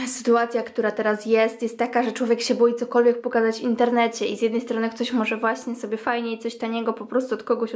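Chatty young woman in an echoey bathroom. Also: fairly high pitch. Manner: chatty, addresses viewers as "girls". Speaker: beauty vlogger. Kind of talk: casual clean-with-me vlog narration. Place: home bathroom.

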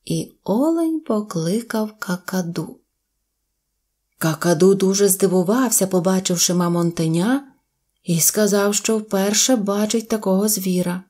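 A woman narrating a children's audio tale in a slow, gentle storytelling manner. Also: medium pitch. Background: faint music.

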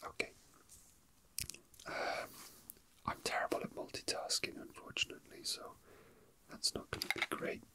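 An ASMR host whispering casual, unhurried chat close to the mic, musing to themselves while handling small objects. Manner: hushed, unhurried, musing to self.

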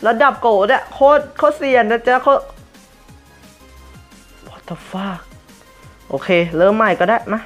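A man giving excitable gameplay commentary as host of a gaming channel, breaking into yelps and English curses as he plays. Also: extremely high pitch, fast talker, hardly any pauses. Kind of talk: excitable Minecraft parkour commentary. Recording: muffled lo-fi recording with faint background music.

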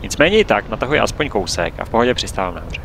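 A man narrates his own flight footage in an even, matter-of-fact voice-over. His voice sits fairly low yet sounds bright and forward. A faint hiss lies under the narration. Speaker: paraglider pilot and vlogger.

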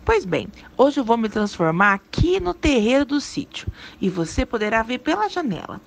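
A woman's voice: on the high side, big pitch swings, normal speed, gravelly, full character voice. A woman reading a story aloud and voicing a teasing rural husband in folksy, laughing tones. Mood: earnest. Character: teasing rural husband, grown man, amused. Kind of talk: dramatic storytelling.

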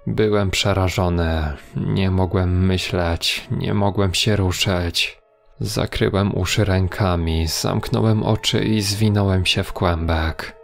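A man reading a horror story in a measured, grave storytelling manner. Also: low-pitched, steady tone, creaky. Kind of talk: scripted horror narration. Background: faint music.

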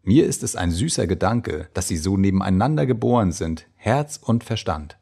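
A man giving a measured, expressive reading of old letters and diary entries. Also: sits low, gravelly, breathy edge. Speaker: reader.

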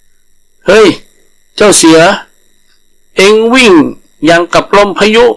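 A curious, overconfident storybook monkey, acted out by a man, pitched up from everyday speech. It scoffs and coaxes in a teasing manner, sure that there is nothing to fear. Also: slow, a bit bright, full character voice, rough recording. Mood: curious hailing. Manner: scoffing, coaxing.

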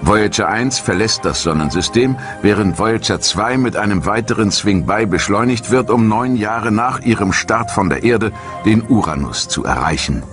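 A man giving calm, measured, scripted narration for a science documentary. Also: on the low side. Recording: studio narration over loud music.

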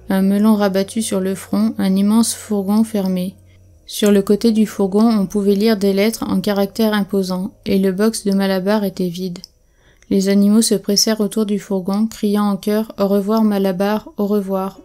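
Mellow, even-voiced woman narrator. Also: medium pitch. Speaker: audiobook narrator. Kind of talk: scripted audiobook narration. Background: faint music.

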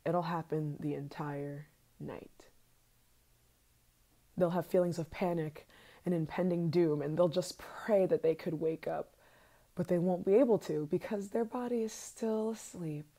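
A woman acts out an obsessive yandere scientist in an ASMR role-play. She speaks low and slowly, in a soft, mellow tone. Her manner is sweet but eerily possessive and sinister, with hesitant pauses. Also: steady tone. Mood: smug, sinister.

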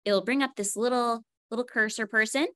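A woman's voice: fairly high pitch, steady tone, brisk, bright, forceful tone. A woman giving a cheerful, chatty live demo of a whiteboard tool over a video call. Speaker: education team presenter.

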